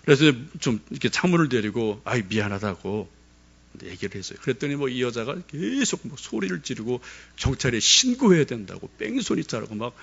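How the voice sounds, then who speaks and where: Middle-aged man, pastor, sermon, animated pitch, dull lo-fi sound, storytelling. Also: fairly quick, gravelly, slightly rough. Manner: storytelling, addresses congregation directly with questions.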